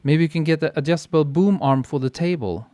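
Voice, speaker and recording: A male photographer hosts a live stream, chatting casually and reading viewer comments aloud, relaxed and quick to laugh. His voice is a little high, and he speaks into a podcast mic on a boom arm with no room sound.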